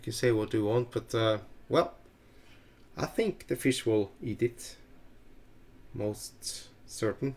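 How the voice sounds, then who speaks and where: A man with a Norwegian accent, somewhat breathy, at a medium pitch with ordinary pitch variation, very slow in pace, with long, frequent pauses. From Norway. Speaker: fly tying video creator. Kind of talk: tutorial.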